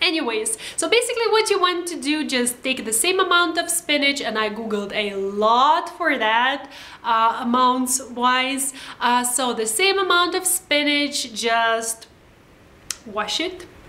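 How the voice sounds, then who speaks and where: In a Lithuanian accent, a woman with a high pitch uses a raised, projected voice and lively intonation at a fairly slow pace, with noticeable background noise and audible room echo. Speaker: cooking vlogger. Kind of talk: cooking tutorial. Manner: casual, chatty with fillers.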